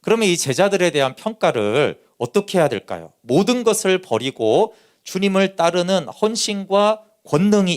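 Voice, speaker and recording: A man who is a pastor preaching a Sunday sermon, lively and conversational, often acting out what people said. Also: medium pitch. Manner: animated preaching that acts out quoted speech.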